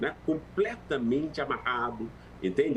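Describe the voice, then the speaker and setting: A man's fairly high voice at a moderate pace. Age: 60s. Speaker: sociologist and author. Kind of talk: interview conversation. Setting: live stream. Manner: halting, many fillers.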